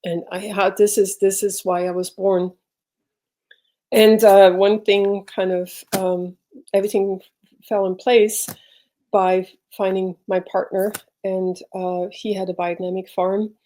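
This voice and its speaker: Mellow middle-aged woman reflecting. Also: mid-range voice, little pitch movement. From Switzerland. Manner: reflective, halting, searching for words. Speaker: podcast guest. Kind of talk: personal storytelling in an interview.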